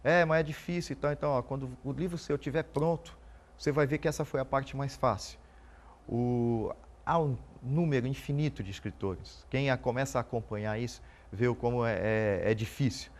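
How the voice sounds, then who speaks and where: A Brazilian man in his forties, a police officer and writer, answering interview questions in an earnest, halting way. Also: medium pitch. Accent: Brazilian Portuguese. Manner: earnest, halting, repeats words while thinking.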